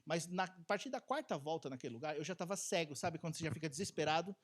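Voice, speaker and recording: A man with a Brazilian Portuguese accent preaching a conversational Sunday sermon. He tells personal stories, asks the congregation rhetorical questions, and swings between soft low asides and loud high bursts. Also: lively intonation, fast.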